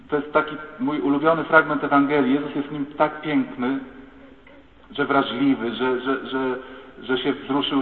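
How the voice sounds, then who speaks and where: A man giving a lively sermon, telling stories and speaking straight to his listeners. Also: mid-range voice. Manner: lively, acts out quoted voices, addresses listeners directly. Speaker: preacher. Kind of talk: sermon with storytelling. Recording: echoey hall, tinny phone-like sound.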